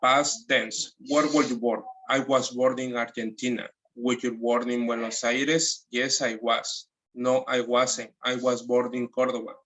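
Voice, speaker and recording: Mexican guy teaching english, pretty monotone, reads slow, stumbles and restarts. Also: medium pitch, rough recording. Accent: Mexican Spanish. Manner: reads slowly, with restarts and nonstandard grammar. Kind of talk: textbook lesson, repeating audio lines.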